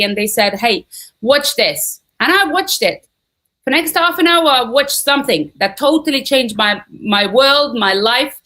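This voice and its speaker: Estonian woman in her thirties, high voice, chatty live webinar host who greets viewers by name and country. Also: a bit bright. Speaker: presenter of an online business webinar. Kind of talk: upbeat live webinar presentation.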